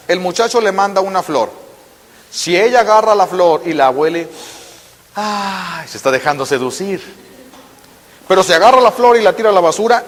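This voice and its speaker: A man's voice: high-pitched, big-room sound. A man preaching a sermon, telling stories and acting out the voices in them. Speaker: priest.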